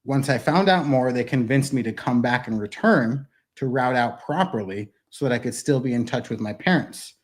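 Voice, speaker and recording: A man's voice: mid-range voice, normal speed, few pauses. A man in his thirties speaking as a guest in a casual interview, blunt and emphatic, swearing freely, recorded at a desk mic in a wood-paneled studio. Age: 30s.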